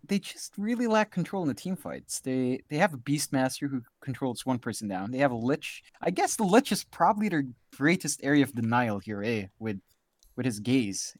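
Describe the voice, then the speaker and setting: Southeast Asian-accented male co-caster, lively pitch, dry close sound, relaxed and analytical. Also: no echo. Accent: Southeast Asian English. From Southeast Asia. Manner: relaxed, easily amused, thinking aloud. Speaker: esports co-caster. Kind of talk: analytical color commentary.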